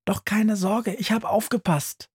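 A man voicing a plucky female mouse sidekick in a storybook reading, with a high, squeaky, husky voice. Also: steady tone, measured pace. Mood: calm. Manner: high squeaky urgent calls.

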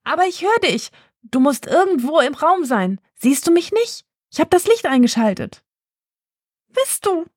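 A woman's voice: sits high, very animated, measured pace, dry recording, studio quality, pitched above the performer's own voice. A woman voicing a worried, practical girl who talks in an urgent, bossy way.

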